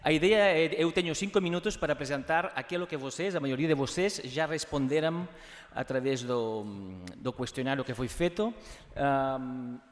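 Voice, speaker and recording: Catalan-accented guy presenting at a conference, kinda high voice, lots of ums and restarts, long hall reverb. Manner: halting, many fillers and restarts, drifting between languages.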